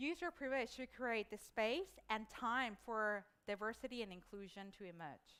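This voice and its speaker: Speaking at a moderate pace with hardly any pauses, a woman with a non-native accent has a bright, sharp tone, a fairly high pitch and lively intonation. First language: not English. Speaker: conference speaker, cloud solution architect. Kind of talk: conference talk. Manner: halting.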